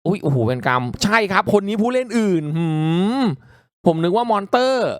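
A man giving casual, reactive commentary as he hosts a mobile game playthrough, chatting politely to viewers with excitable exclamations. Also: high-pitched, brisk, no echo, studio quality. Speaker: gaming video host.

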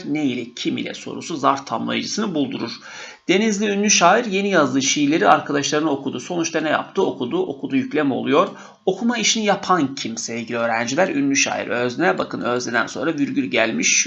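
A man leads an exam-prep grammar lesson, asking his students questions and then answering each one himself. His voice sits a little high and has a gravelly edge. The recording sounds dull and lo-fi. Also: a bit bright. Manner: patient, asks questions then answers them. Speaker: teacher.

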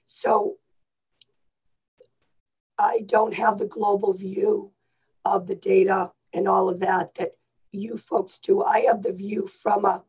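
This is a woman, speaking as a primary care clinician on a video call from her home office. Her voice is hoarse and husky. She talks earnestly, restarts phrases, and at times her words sink into a whisper. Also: medium pitch, a little mellow, poor audio. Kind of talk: remote committee meeting remarks. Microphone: laptop video call.

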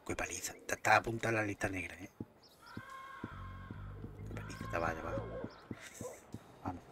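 A man's voice: sits low, normal speed. A man casually commentating a game, chatting to himself and swearing now and then. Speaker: gameplay commentator.

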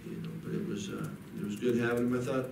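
A middle-aged man, a head coach at a postgame press conference, talking haltingly with many restarts into a desk mic. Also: mid-range voice, steady tone, vocal fry. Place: press room in front of a backdrop. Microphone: table mic on a desk. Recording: echoey room, mic a bit far, audible noise.

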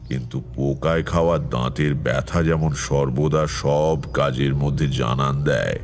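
An actor playing a brooding tantric storyteller, narrating an eerie village tale in a measured, dramatic way. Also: male voice, very deep voice, vocal fry, exaggerated voice. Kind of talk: dramatic first-person horror narration.

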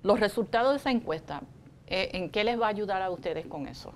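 A woman in her sixties hosting a TV interview in a studio, chatty and animated, with many fillers, on a lapel mic. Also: medium pitch, a little fast, a little hiss or hum. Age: 60s. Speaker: TV show host. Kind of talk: casual Spanish interview. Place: TV studio set.

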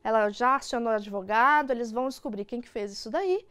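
A woman's voice: fairly high pitch, brisk, fairly bright tone, clean tone. A young Brazilian woman hosting an online news show, giving casual, opinionated commentary to camera. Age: young adult. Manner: informal, opinionated. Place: indoor studio.

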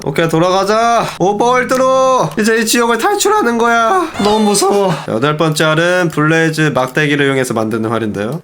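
A young man giving excited, playful gaming commentary, often shouting and laughing. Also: fairly high pitch, slight background noise. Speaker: gaming YouTuber.

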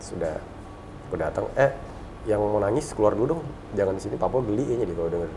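Relaxed man telling a personal story. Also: fast talker, noisy background. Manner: relaxed, reflective, drops to a soft low voice on sad memories. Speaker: talk show guest. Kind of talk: casual conversational storytelling.

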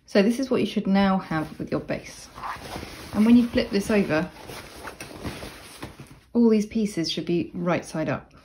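A woman explaining sewing steps in a casual, chatty tutorial voice-over, with relaxed asides. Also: mid-range voice, a little slow, long pauses, low-quality recording. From Cornwall, England. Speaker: sewing instructor. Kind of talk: casual step-by-step tutorial narration.

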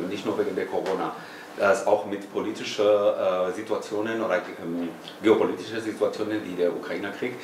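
An older man with a Spanish accent speaks slowly and haltingly, searching for his words. His voice sits low. He is caught from across an echoey room, off the mic, with steady noise behind him. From Spain. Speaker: audience member. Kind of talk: audience question in a panel discussion. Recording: echoey room, voice from far off, noisy.

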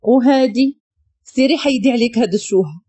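A woman's voice: a little high, fairly quick, mellow, slightly rough, no echo. A woman with a Moroccan accent voicing a brusque but caring young man in a spoken story. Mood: teasing.

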